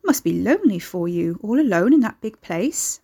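A woman's voice: medium pitch, lively intonation, brisk, darkish tone. A woman voicing an elderly, gossipy grandmother in an audiobook, maternal and pushy, with folksy, rambling talk. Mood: maternal, prying. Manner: folksy dialect, rambling, nosy.

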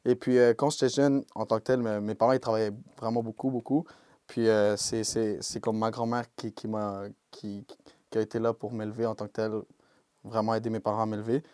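Laid-back young Québécois man, mellow voice. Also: on the low side, level tone, a little fast, clean tone, no room sound, clean studio sound. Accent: Québécois French. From Quebec, Canada. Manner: laid-back, peppered with English slang like "yo" and "bro". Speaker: rapper, interview guest. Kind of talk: casual interview talk.

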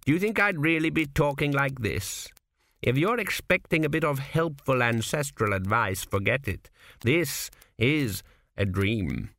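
A man voicing a cynical, crude old ancestor ghost, a former swindler, with a slow, gruff drawl in an audiobook. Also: medium pitch, lively intonation, fairly bright tone, no room sound, voice pushed up. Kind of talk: audiobook character voice.

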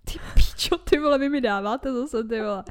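Young woman co-host, blunt and giggly, curses freely, slightly high voice, casual podcast chat. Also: smooth.

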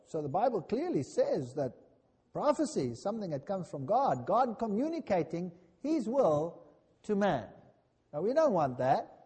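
High-pitched male preacher in a reverberant hall. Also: dark tone, breathy edge. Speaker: preacher, lecturer. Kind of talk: sermon lecture with scripture readings and rhetorical questions. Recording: long reverb of a large hall.

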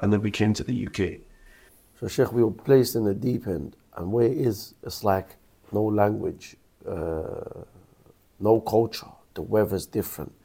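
A man in his thirties, from Iraq, speaks with a low, gravelly, husky voice. He tells his life story with earnest emphasis. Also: a little slow, warm tone. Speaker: guest. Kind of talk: personal life story in an interview.

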